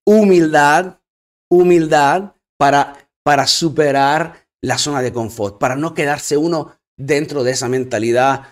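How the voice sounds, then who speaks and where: A man's voice: medium pitch, moderate pace, hardly any pauses. Enthusiastic Italian man teaching. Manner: enthusiastic, repeats and restarts words, sells warmly. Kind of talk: promotional pitch for his courses.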